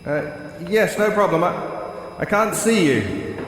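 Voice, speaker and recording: A man's voice: high voice, sing-song, measured pace, a bit bright, full character voice. An actor playing a polite, nervous, hesitant male interviewer in a horror audio drama. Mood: uneasy politeness. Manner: hesitant, stammering, awkward. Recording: echoey hall with faint noise.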